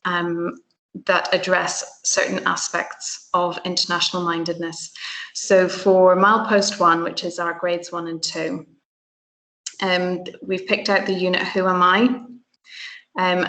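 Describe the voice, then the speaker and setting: Earnest, soft-spoken Irish-raised woman teacher. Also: lowish voice, gravelly. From Ireland. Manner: thoughtful, earnest, many ums and restarts. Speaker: teacher presenting at a conference. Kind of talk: recorded conference presentation.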